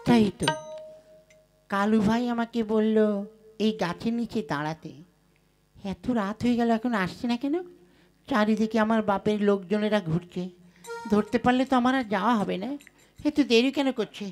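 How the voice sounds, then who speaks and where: A woman's voice: mid-range voice, normal speed, long pauses, darkish tone, faint music behind, natural voice. A woman voicing an anxious, impatient young village sweetheart, fretful and questioning, in a comic puppet play.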